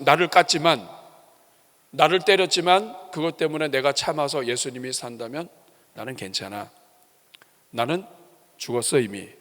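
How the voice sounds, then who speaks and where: A man's voice: fairly high pitch, fairly bright tone, big-room sound. A male pastor giving a sermon in a church, emphatic and asking the congregation rhetorical questions. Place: church sanctuary.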